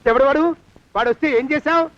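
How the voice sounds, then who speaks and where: A blustering, tight-fisted middle-aged landlord, barking orders at his servants in a high, rapid voice. He is vain and lecherous. The sound is dull and lo-fi, like an old film soundtrack. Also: fairly bright tone. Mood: scolding. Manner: bossy, scolding, blustering. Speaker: film comedian. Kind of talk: Telugu film comedy dialogue.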